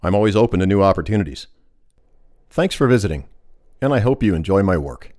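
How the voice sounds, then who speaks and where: Middle-aged male voice-over artist, deep register, polished scripted read. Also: very animated, fairly quick, darkish tone.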